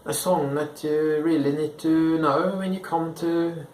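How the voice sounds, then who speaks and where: A proud Norwegian-accented man who pauses with frequent "uh"s, as a young man puts him on. He is recorded in an echoey room. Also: fairly high pitch, steady tone, darkish tone, a little hiss or hum, lightly acted. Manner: hesitant, lots of "uh".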